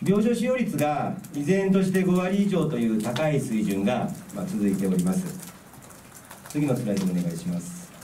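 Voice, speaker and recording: A man with a fairly high voice talks at a moderate pace with very wide pitch swings, some audible room echo and light background noise. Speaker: city mayor. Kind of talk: press conference. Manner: halting, many fillers. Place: meeting room. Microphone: podium.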